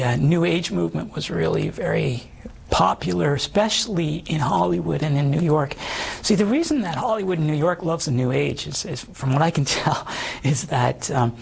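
A man around fifty with a hoarse, damaged voice, earnestly telling his life story as an interview guest, halting and full of restarts. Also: on the high side. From Canada. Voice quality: hoarse, gravelly voice. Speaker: guest sharing his testimony. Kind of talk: personal testimony in conversation.

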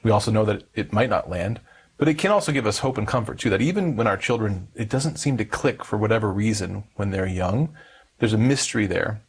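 Husky low-voiced man hosting a faith interview. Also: lively intonation. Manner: thoughtful, halting, many restarts. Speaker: interview host.

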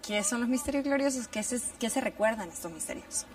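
A woman's voice: on the high side, lively intonation, fairly quick, distant mic. Woman co-host asking questions. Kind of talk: television talk show discussion.

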